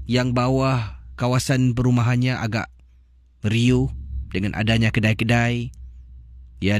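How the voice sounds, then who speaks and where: Hushed male horror story narrator. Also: mid-range voice, no echo. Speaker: radio host. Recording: faint music bed.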